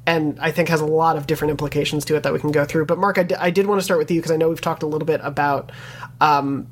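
A podcast host at a middle pitch, talking loosely and circling back on their own sentences as they walk through a topic. They lead the panel and hand questions over to co-hosts. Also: steady tone, rapid-fire, slight background noise. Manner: rambling, many restarts, leads questions. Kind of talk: casual panel discussion.

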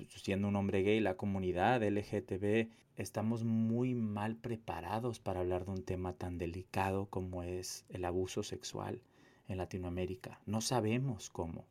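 In a low, darkish voice, a man recounts his own experience as an abuse survivor and activist. The monologue is emphatic personal testimony, full of repeated phrases and rhetorical questions.

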